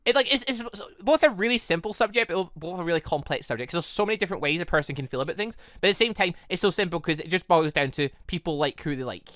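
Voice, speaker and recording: Lively, bright-voiced man. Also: high voice, fast, hardly any pauses, no echo, studio quality. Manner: rambling, repeats and rephrases himself. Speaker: gaming channel host. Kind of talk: casual let's-play commentary.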